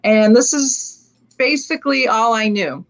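A woman's voice: fairly high pitch, a little slow, poor audio. A woman who grew up speaking Lithuanian in the United States, telling her family story reflectively on a video call from home. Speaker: panelist. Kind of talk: personal testimony on an online panel. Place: home room.

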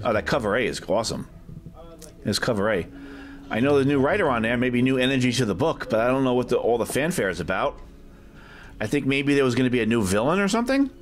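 A man giving a casual shop tour as a vlog host, chatty and off the cuff, often tacking questions onto his remarks. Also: mid-range voice. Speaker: video host and comic collector. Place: inside a packed medium-sized shop. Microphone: handheld camera held by the speaker.

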